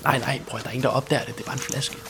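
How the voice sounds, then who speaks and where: Gravelly excitable male player. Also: medium pitch, over music. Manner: excitable, yelps and pleads in character. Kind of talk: playing a tabletop game.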